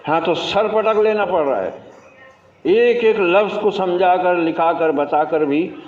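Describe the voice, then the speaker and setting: A man giving a Friday sermon in a mosque, teaching and telling a story with slow emphatic stress and exasperated rhetorical asides. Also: high-pitched, a little mellow. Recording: echoey mosque, dull lo-fi sound.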